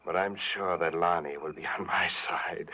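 An actor playing a huge, possessive, unhinged island guardian in an old radio drama, slow and soft-spoken but intense. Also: male voice, deep voice, fairly even intonation. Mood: brooding, unhinged. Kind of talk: 1940s radio detective acting. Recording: muffled old radio recording.

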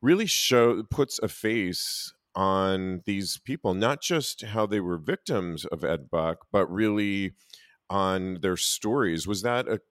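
A man's voice: low-pitched, expressive, slow pace, no echo, studio quality. A man interviewing a filmmaker, asking long questions in an affirming way and sometimes stumbling over words. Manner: warm, affirming, reads statistics aloud, some stumbles.

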